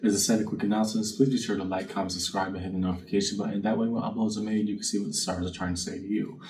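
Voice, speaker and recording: A man's voice: fairly low pitch, fairly even intonation, very fast, crowd noise. A man hosting a casual tarot reading, talking to the viewer in a conversational, reflective way. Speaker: tarot card reader and channel host. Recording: distant mic with faint background noise.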